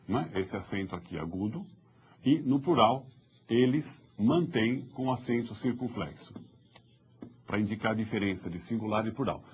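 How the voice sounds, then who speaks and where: A man's voice: mid-range voice, a little mellow, slightly rough. A man giving a patient, explanatory lecture on spelling, repeating points and checking that listeners follow. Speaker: author giving a talk on spelling reform. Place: publisher's studio. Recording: dull muffled lo-fi sound.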